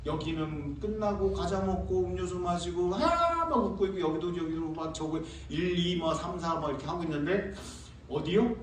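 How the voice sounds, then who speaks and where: Animated pastor in an echoey church. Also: male voice, high voice, a little hiss or hum. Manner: animated, acts out church members and sings hymn lines. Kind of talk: sermon with storytelling. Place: church sanctuary. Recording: echoey church hall, mic from far off.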